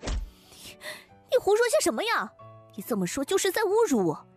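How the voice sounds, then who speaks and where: A woman playing an anxious young wife in an audio drama, earnest and quick to protest. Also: extremely high pitch, wildly swooping pitch, faint music behind, heavily acted. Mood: outraged. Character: anxious, indignant young wife, a clinic patient.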